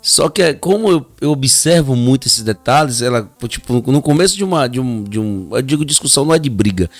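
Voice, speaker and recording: A man's voice: medium pitch, expressive, fairly quick, no room sound, faint music behind. Chatty, joking Brazilian male host. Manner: joking, chatty, laughs often. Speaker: podcast host. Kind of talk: casual interview.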